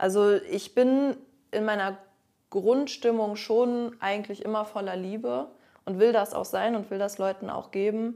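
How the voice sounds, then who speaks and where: A woman's fairly high-pitched voice with a dark, mellow tone, fairly even intonation and a fairly slow pace, on a very clean recording with a silent background. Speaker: spiritual podcast co-host. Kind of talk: casual chat. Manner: halting.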